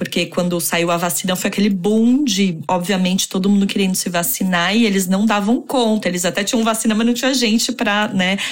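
A woman with a São Paulo accent at a fairly quick pace, hardly any pauses, very even loudness and ordinary pitch variation, with noticeable background noise. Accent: Brazilian Portuguese, São Paulo (paulistano). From Brazil, São Paulo city. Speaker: industrial designer living abroad. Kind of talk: interview, casual chat.

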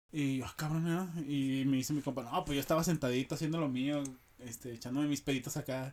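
A man with an ordinary speaking voice, fairly high pitch, fairly even intonation and a fairly quick pace. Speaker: podcast co-host. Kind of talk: casual chat.

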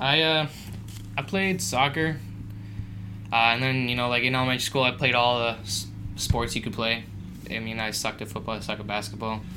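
A man with a Canadian accent speaks at a fairly quick pace but leaves long, frequent pauses, his medium pitch varying in an ordinary way. Audible room echo and noticeable background noise come through. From Vancouver Island, British Columbia, Canada. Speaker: podcast host, electrician. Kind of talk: casual chat.

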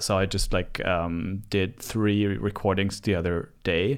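A man with an unremarkable speaking voice talks at a fairly low pitch with fairly even intonation. The recording is very clean with a silent background. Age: 30s. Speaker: podcast host and music producer. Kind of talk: casual chat.

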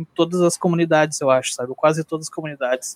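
A man with a southern Brazilian accent speaks in a dark, mellow tone with ordinary pitch variation, the sound dry and close with no echo. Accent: gaúcho Brazilian Portuguese. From southern Brazil, Rio Grande do Sul (Gravataí, Porto Alegre area). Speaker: tech professional (site reliability engineering). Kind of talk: casual interview chat.

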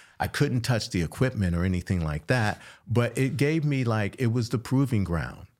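With an American accent, a man speaks in an ordinary speaking voice at medium pitch and a moderate pace, his intonation lively, in a very clean recording with a silent background. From US, Pittsburgh. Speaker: film editor and director. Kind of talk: interview conversation.

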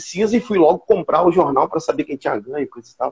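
Talking at a fairly quick pace, a man with a high pitch and lively intonation is heard in a dry, close sound with no echo. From Rio de Janeiro, Tuiuti. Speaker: samba community member. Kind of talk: casual chat. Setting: Instagram live video call.

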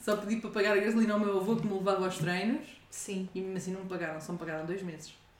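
Over noticeable background noise, a woman talks very fast at a medium pitch, her intonation fairly even. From Portugal. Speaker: podcast co-host, mother. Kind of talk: casual chat.

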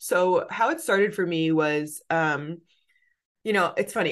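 Heard over a quiet background, a woman with an American accent has a fairly low pitch, ordinary pitch variation and an unremarkable speaking voice. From New Jersey. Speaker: dietitian. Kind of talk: casual interview chat. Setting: remote call.

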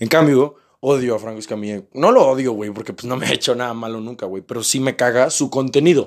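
A man speaks at a very fast pace in an animated tone, with hardly any pauses. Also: medium pitch for a man, ordinary pitch variation, big swings in loudness. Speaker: podcaster. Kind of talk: casual monologue.

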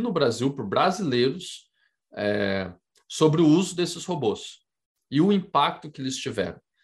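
Over a quiet background, a man talks. His pitch swings very widely. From Brazil, Mato Grosso do Sul (Campo Grande). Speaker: election disinformation expert, technologist. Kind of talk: interview conversation. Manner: hesitant, many fillers.

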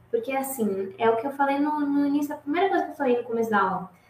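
A woman's intonation is lively, with noticeable noise behind her. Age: 20s. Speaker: holistic therapist and self-knowledge mentor. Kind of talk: guided breathing exercise; online class livestream. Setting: livestream at home. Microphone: laptop microphone.

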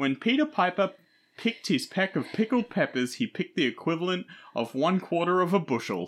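A man speaks with an Australian accent, his high pitch moving in very wide swings. The recording is very clean, with a silent background. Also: fairly quick pace. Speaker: podcast co-host. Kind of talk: casual chat. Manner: animated.

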